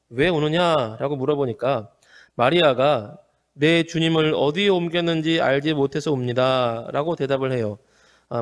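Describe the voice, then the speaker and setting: A male pastor preaching an earnest, measured sermon with frequent hesitant fillers. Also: a little high, long reverb tail. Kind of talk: home worship sermon.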